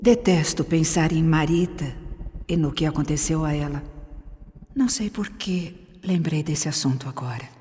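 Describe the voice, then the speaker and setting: A woman's voice: deep voice, moderate pace, warm tone, natural voice. An actress with a Brazilian accent playing a cold, resentful young woman justifying herself in an introspective radio drama monologue. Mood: defensive, subdued. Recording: long reverb, music behind.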